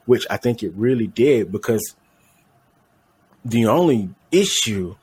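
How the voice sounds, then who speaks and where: A man's voice: mid-range voice, animated, measured pace, darkish tone, slightly rough. A man co-hosting a podcast in casual chat, rambling and correcting his own slips with a laugh. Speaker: podcast co-host.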